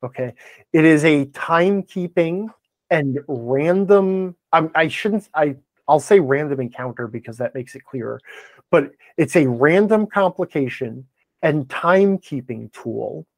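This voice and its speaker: A man's voice: on the high side, no echo. A man speaking as a podcast guest in a conversational interview, wordy and opinionated as he explains things. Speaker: podcast guest, game blogger and author.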